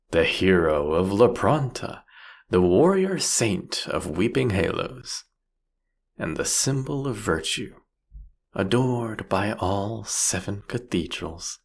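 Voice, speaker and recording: A man playing a proudly ruthless, philosophical vampire king in a fantasy audio roleplay, speaking eloquently and mockingly in a drawn-out, theatrical way. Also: lowish voice, sing-song, creaky, exaggerated voice. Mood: mocking amusement.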